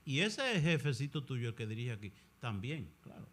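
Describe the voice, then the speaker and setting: A man who is a Catholic priest, talking in an animated conversational way and sometimes acting out other people's voices. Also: mid-range voice, moderate pace. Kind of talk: conversational discussion.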